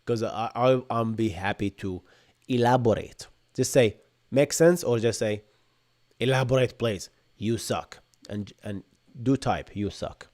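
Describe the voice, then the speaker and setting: A man in his thirties from Bahrain with an Arabic accent, hosting a live-streamed tech Q&A from a home room and explaining things in energetic bursts, often tagging on "right?". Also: mid-range voice, measured pace. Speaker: podcast host. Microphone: desk microphone in front.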